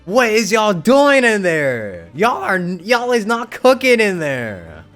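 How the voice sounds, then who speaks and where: Young male streamer, sarcastic, bright and animated. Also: sits high, takes it slowly, faint music behind. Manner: loud, sarcastic and swearing. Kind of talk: live game stream commentary.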